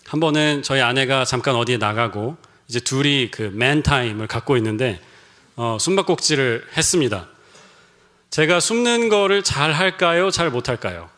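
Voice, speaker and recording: A man's voice: medium pitch, animated, moderate pace, sharp tone. A middle-aged man preaching a Sunday sermon as pastor, telling stories and acting out the voices in them. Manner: storytelling, acts out quoted voices. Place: church sanctuary.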